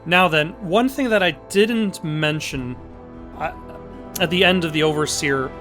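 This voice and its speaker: Man, fairly high voice, casual let's play host, halting, thinking aloud, music in the background. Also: pushed and bright. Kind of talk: casual, improvised gameplay commentary.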